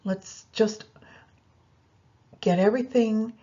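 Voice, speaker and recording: A woman leading a guided yoga nidra meditation, giving unhurried instructions directly to the listener. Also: a little high, dark tone, husky, dull audio.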